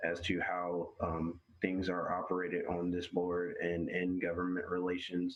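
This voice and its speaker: The voice stays monotone, with flat intonation. It moves at a fairly slow pace. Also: man. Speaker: community college student. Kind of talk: self-introduction at a board meeting. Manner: halting.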